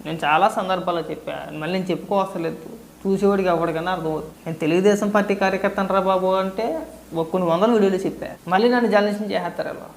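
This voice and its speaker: Fast-talking combative man, roomy echo. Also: high voice, steady tone, vocal fry, slight background noise. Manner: combative, sarcastic, scolding. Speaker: party activist commentator. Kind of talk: ranting video commentary.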